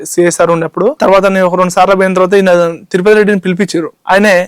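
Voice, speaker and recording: A man with a Telangana Telugu accent talks at a breakneck clip in a high, clear voice. He recounts his grievance with urgency, recounting dialogue and calling the interviewer sir again and again. The sound is close and dry. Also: little pitch movement, very fast, no room sound. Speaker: chit fund victim interviewee. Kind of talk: interview testimony.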